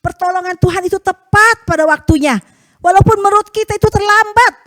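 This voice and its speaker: A woman's voice: extremely high pitch, brisk, a bit bright, no room sound. A woman preaching a conversational sermon, asking rhetorical tag questions and acting out the prayers and voices she quotes. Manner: chatty, rhetorical tag questions, chuckles often.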